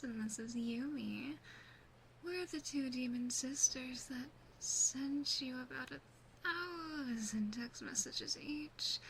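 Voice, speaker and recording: A woman voicing a gentle, doting yandere demon sister in a soft, teasing, mostly whispered ASMR roleplay, close on a binaural microphone. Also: a little high, slight background noise, low-quality recording.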